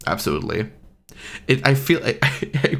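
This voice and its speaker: Here a man is talking. His intonation is lively. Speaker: podcast host and game master. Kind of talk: casual chat.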